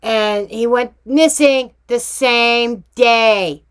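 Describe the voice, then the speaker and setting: A woman's voice: a little high, very slow, clear, resonant tone. A woman hosting a casual true crime tarot reading vlog, chatty and emphatic with slangy asides. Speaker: tarot reader and true crime channel host.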